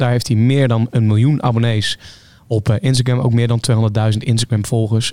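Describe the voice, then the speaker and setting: A man at medium pitch with a dark, mellow tone, in a dry, close sound with no echo. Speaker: podcast co-host. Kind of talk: casual interview chat.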